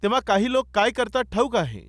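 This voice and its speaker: A male pastor delivers a sermon in a very high voice. He repeats his appeals and asks the congregation rhetorical questions. The sound is dry and close. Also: very animated, fast, a bit bright, no room sound. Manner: repetitive exhortation with rhetorical questions.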